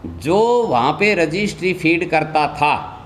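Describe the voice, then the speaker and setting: A man's voice: a little high, sing-song, takes it slowly, fairly bright tone, a little hiss or hum. A man speaking as a local politician making a statement to reporters, insistent, repetitive and accusatory. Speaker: local politician and anti-corruption campaigner.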